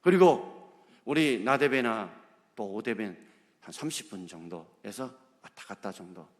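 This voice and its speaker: Preaching a sermon in a church sanctuary, a male pastor drives home his points by posing rhetorical questions to the congregation. His voice is on the low side with a fairly bright tone, and long hall reverb surrounds it.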